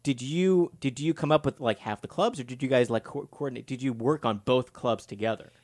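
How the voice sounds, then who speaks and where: A man's voice: medium pitch, a little fast, a little mellow, dry recording, studio quality. A podcast host in his forties chatting casually, rambling and poking fun at himself. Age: 40s. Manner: chatty, rambling, self-mocking. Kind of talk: casual chat.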